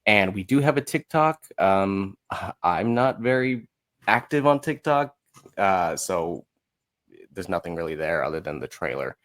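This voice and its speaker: A man's voice: low-pitched, very animated, unhurried, fairly bright tone. A man speaking as an interview guest in casual conversation, informal and hesitant as he searches for his words. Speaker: podcast guest, musical creator.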